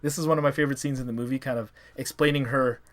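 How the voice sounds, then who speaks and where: A man's voice: medium pitch, fairly even intonation, racing. Enthusiastic male movie reviewer. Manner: enthusiastic, rambling, with laughs. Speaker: host. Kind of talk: casual movie review vlog.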